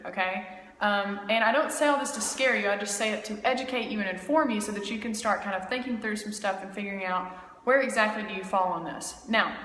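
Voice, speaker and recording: A woman's voice: medium pitch, a bit bright. A woman in her twenties, a health coach, giving a casual, emphatic talk to camera and often checking in with "okay?". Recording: echoey room with long reverb.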